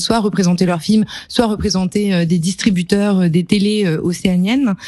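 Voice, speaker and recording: Delivery comes at a fairly quick pace. Intonation stays fairly even. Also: woman. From French Polynesia (Tahiti). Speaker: festival communications manager. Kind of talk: radio interview. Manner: hesitant, many fillers.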